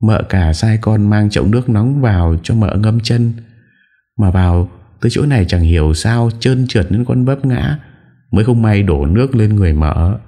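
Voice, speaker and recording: A frightened young servant girl begs and cries in a high, strained voice, as a male narrator puts her on. Every phrase comes out pleading. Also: lively intonation, normal speed, dark tone. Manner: pleading, crying.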